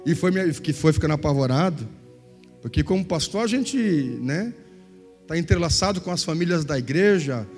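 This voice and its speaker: Brief: high-voiced Southern Brazilian male pastor, lively sermon storytelling, echoey hall. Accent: Southern Brazilian Portuguese. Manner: animated storytelling, voices others in quotes. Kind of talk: sermon with acted-out anecdotes. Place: large church hall. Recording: echoey church hall with faint music.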